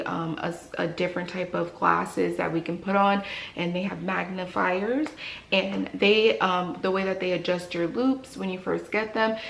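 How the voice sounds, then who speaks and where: A woman's voice: lowish voice, creaky. A woman who works as a dental hygienist, giving casual, encouraging advice and repeating phrases for emphasis. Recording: echoey room with faint noise.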